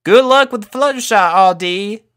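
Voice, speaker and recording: No-nonsense country mare for a storybook, raised pitch, bright, folksy drawl, acted by a man. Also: measured pace, clear, resonant tone. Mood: friendly.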